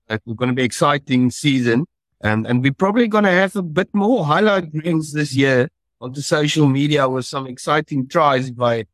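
A man of middling pitch talks about schoolboy rugby in long, wandering sentences, often pausing and restarting. His voice is dry and close to the mic. It is a casual podcast discussion. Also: no echo. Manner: rambling, hesitant. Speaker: rugby pundit.

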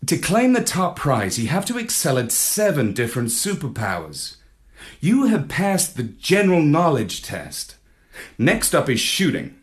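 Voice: mid-range voice, huge pitch swings, a little slow. A storyteller voicing a cheerful, boastful male space adventurer in a children's story. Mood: explaining. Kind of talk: storybook read-aloud.

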